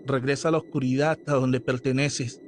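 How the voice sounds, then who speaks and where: A man's voice: medium pitch, little pitch movement, normal speed, a little hiss or hum, lightly acted. A man voicing a possessed medium commanding a spirit.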